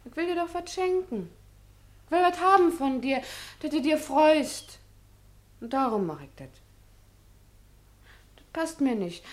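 A woman's voice: medium pitch, lightly acted. An actress playing a devoted, coaxing working-class Berlin girlfriend with a Berlin accent in a radio drama. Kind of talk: German radio drama acting.

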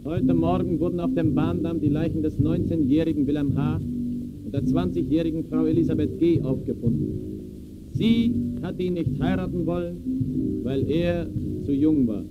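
An actor playing a clipped, declamatory newsreader of bulletins and tragedies in a 1920s-style radio play. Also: male voice, on the high side, normal speed, narrow, tinny audio, over loud music, lightly acted. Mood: sombre.

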